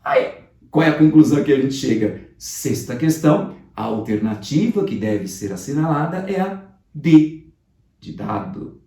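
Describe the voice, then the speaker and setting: A man teaching literature, reviewing exam questions in a lively, conversational way and talking straight to his students. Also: mid-range voice, measured pace. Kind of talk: commented exam review lesson. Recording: roomy sound, voice off-mic.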